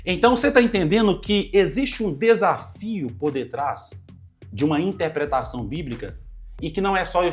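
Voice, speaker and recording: Earnest pastor teaching the Bible. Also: male voice, on the high side. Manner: earnest teaching, addresses listeners as brothers. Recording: light music underneath.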